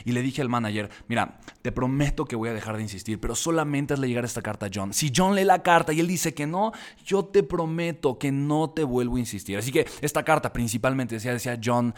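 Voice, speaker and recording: Man telling an animated story. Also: mid-range voice, brisk, few pauses. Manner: animated, repeats words for emphasis. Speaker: entrepreneur telling his story. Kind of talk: emotional personal storytelling.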